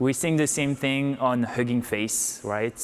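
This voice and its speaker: Noticeable background noise sits behind a man with a French accent. His intonation is fairly even. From France. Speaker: tech startup co-founder. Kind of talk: on-stage interview. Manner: hesitant with fillers.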